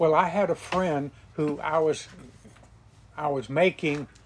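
With ordinary pitch variation, a man holds a fairly high pitch while talking at a very slow pace. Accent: Florida. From US South, north central Florida. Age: 70s. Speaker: beekeeper and honey seller. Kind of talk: casual chat.

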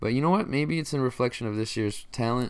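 A man speaks at a fairly quick pace. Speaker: podcast host. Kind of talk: casual solo monologue. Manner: animated.

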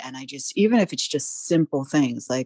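Speaking at a fairly quick pace with a slight New York accent, a woman has a very deep, low pitch and a dark, mellow tone, captured with a dry, close sound and no echo. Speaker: salesperson. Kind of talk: casual chat.

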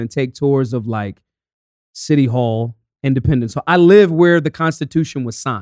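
Recorded with a dry, close sound and no echo, a man talks at a moderate pace in an ordinary speaking voice. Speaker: firearms instructor and activist. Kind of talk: casual chat.

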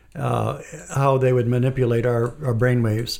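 Somewhat breathy, a man speaks at medium pitch and a moderate pace. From Mexico, small town near Mexico City. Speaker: author. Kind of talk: interview. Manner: halting, many fillers.

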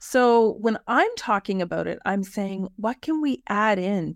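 Lively intonation marks a woman's normal speaking voice at a medium pitch. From Canada. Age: 40s. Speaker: dietitian and naturopathic doctor. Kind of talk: interview.

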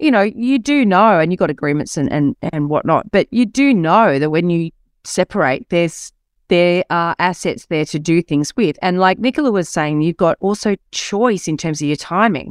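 A woman with an Australian accent, dry and close with no echo, over a quiet background. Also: fairly low pitch for a woman, lively intonation, moderate pace. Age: middle-aged. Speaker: podcast host, buyer's agent. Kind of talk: casual interview.

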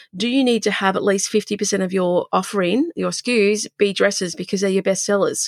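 A woman talks at a fairly quick clip with an Australian accent. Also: medium pitch for a woman, ordinary pitch variation. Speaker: business coach and podcast host. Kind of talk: solo podcast monologue, business advice. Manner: fast.

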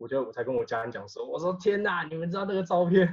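Talking at a very fast pace, a man uses a high voice with ordinary pitch variation. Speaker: flight instructor. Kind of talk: casual chat.

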